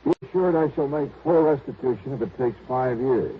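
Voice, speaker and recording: An actor playing a wisecracking, confident insurance investigator in 1950s radio drama style, snappy and wry. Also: male voice, medium pitch, expressive, a little fast, lightly acted. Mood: businesslike. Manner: snappy, wry, hard-boiled. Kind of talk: 1950s radio drama acting, hard-boiled narration. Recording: dull, noisy vintage radio recording.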